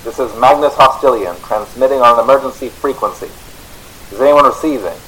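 A man's voice: mid-range voice, a little fast, a bit bright. An actor playing a desperate man sending an urgent distress call over a crackling radio transmission, in old-time radio drama style.

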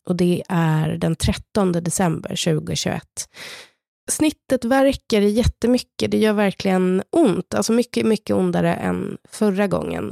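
A Swedish woman in her thirties tells a personal story slowly and intimately, in a measured way. Her voice is mellow and dark, with a gravelly fry. She is recorded close and dry, with no room sound. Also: on the low side, no echo. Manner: slow, measured, intimate telling in the present tense. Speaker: podcast co-host. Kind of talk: personal storytelling, partly read from a script.

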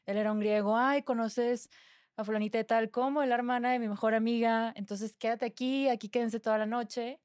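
A woman with a Mexican accent and a slightly raised pitch chats on a podcast. She tells her story loosely and keeps adding asides. The recording is dry and close. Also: steady tone, brisk, darkish tone, clear, resonant tone, dry recording. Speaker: podcast co-host. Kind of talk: casual chat.

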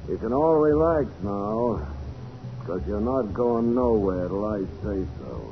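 An actor playing a menacing, resentful gangster with slangy, drawling tough talk in a 1940s radio crime drama. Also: male voice, lowish voice, lively intonation, slow pace. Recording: muffled, noisy 1940s radio recording.

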